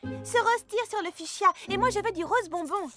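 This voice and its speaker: A woman's voice: very high-pitched, a little fast. A woman voicing a bossy, perfectionist girl in a children's cartoon, fussy and dramatic. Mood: brisk, directing. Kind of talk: children's cartoon dub acting. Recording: music behind the voice.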